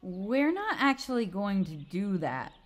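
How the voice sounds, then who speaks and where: A woman's voice: mid-range voice, very animated, unhurried. A woman playing a blunt, sarcastic modern time traveller's companion in an audio drama, slangy and full of quips. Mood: uneasy. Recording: music behind the voice.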